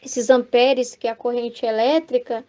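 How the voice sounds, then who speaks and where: A woman's voice: a little high, little pitch movement, moderate pace, dark tone. A Brazilian woman leading a Catholic devotional study, talking conversationally with frequent "né?" and reading passages aloud. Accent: Brazilian Portuguese. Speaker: Bible study teacher.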